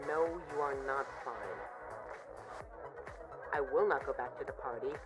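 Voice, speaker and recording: Woman acting a low-voiced, caring best friend. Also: unhurried, music in the background. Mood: worried, insistent. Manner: soothing, earnest, gently insistent. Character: caring young woman, worried best friend offering comfort. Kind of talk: roleplay audio drama monologue, intimate comforting.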